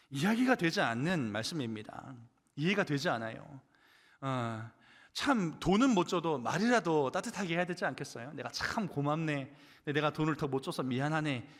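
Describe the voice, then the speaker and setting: Animated male pastor preaching in a reverberant hall. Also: high-pitched. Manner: animated, rhetorical questions, tells personal stories. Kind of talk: sermon. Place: church sanctuary.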